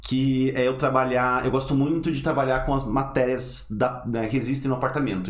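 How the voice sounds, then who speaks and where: Noticeable background noise and audible room echo fill the recording. The man talks at a very fast pace. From northern Paraná, Brazil. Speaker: architect. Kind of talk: casual interview chat. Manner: animated.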